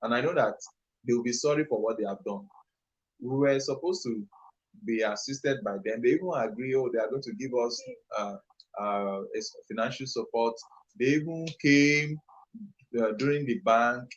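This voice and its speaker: A man's voice: medium pitch, moderate pace. Passionate Nigerian man on a lo-fi stream. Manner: passionate, emphatic, rambling storytelling. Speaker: entrepreneur and youth trainer, guest. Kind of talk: live-stream interview answer.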